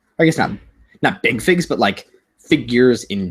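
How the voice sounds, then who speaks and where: A man speaks with very wide swings in pitch. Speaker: voice actor and artist. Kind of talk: casual livestream chat while drawing. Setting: livestream video hangout.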